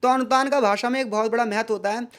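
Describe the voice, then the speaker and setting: A male tutor delivers an exam-prep lecture in Hindi sprinkled with English words, posing rhetorical questions and addressing his listeners as "brother." His voice is extremely high, fairly bright, and fairly even in intonation, and he speaks quickly.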